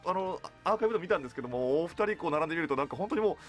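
A man's voice: a little high, lively intonation, racing, a bit bright, soft background music. A man hosting a casual radio chat, agreeable and complimentary toward his guests. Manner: agreeable, frequent backchannels, complimentary. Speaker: radio show host. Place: radio studio, masked at a table. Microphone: studio boom microphone.

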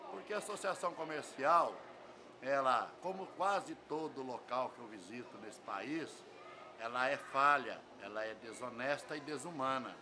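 A man's voice: mid-range voice, moderate pace. An older man with a Brazilian accent, giving an emphatic interview as a fair organizer, driving points home with repeated phrases. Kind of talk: on-camera news interview. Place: semi-open covered event hall. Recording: clear ambient noise of an open venue.

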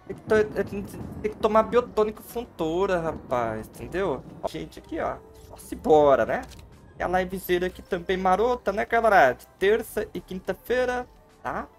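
A man's voice: high voice, lively intonation, normal speed, soft background music. A man with a Brazilian Portuguese accent, giving playful, joking gameplay commentary on a livestream and talking to his chat. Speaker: game streamer.

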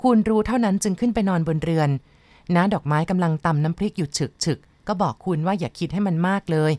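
A woman reads a novel aloud in a calm, even way. Her voice sits fairly low. The recording is close and dry, with no room sound. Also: no echo. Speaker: audiobook reader.

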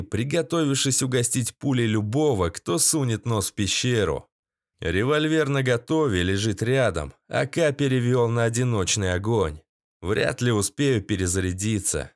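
A man's voice: mid-range voice, dry recording, clean studio sound. A man reading a first-person audiobook in a tense, gritty way with crude slang. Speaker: audiobook narrator.

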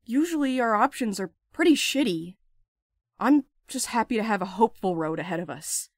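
A woman's voice: a little high, lively intonation, normal speed, no room sound, studio quality. A woman playing a restless, blunt courier in an audio drama, urgent and sardonic, eager to escape. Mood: eager, insistent.

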